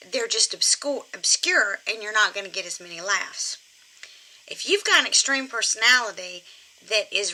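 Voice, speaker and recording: A woman's voice: medium pitch, sharp tone, low-quality recording. A woman comic ventriloquist giving an informal, chatty lesson, drifting into asides as she explains. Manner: chatty, digressive, addresses her puppet. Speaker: comic ventriloquist teaching puppetry. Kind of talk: informal instructional talk.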